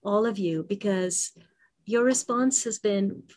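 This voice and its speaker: A woman's voice: mid-range voice, slow, darkish tone. A woman co-hosting a casual panel chat, talking in a reflective, emphatic way. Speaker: co-host.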